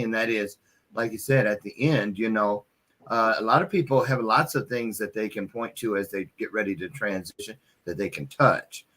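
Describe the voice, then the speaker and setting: A man's voice: mid-range voice, sharp tone. A man hosting a casual, chatty online interview in a folksy, playful manner. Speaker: host of an online interview show.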